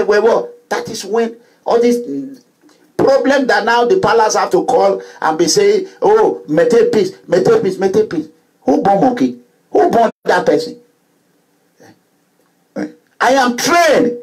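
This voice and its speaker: A middle-aged man delivering an emphatic, repetitive monologue to his followers, at times rising to loud outbursts. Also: extremely high pitch, poor audio. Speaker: online commentator.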